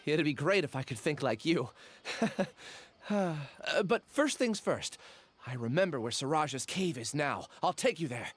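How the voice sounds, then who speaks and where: A man voicing a gentle, apologetic young scholar in an anime-style video game, polite and hesitant. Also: on the high side, lively intonation, measured pace. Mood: reflective.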